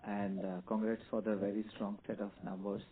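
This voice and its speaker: Low-voiced analyst on phone. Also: male voice, flat delivery, brisk. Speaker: financial analyst asking questions. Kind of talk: earnings call questioning. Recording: narrow phone line with faint noise.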